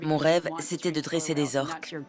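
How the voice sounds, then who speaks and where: A woman's voice: deep voice, flat delivery, moderate pace, loud music behind the voice. A woman who was an orca trainer, recalling her past in an earnest dubbed documentary interview.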